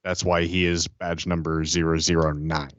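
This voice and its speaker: Kinda low voiced guy explaining stuff on a game podcast, dry and a bit dull sounding. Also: little pitch movement, normal speed, no room sound. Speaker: tabletop game podcast player. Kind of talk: casual chat and explanation.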